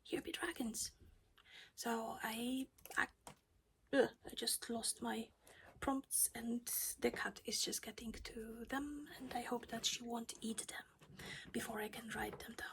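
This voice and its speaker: A woman's voice: a little high, steady tone, a little slow, gravelly, a bit bright, a little hiss or hum. A woman whispering her way through a casual cross-stitch project chat at home while losing her voice.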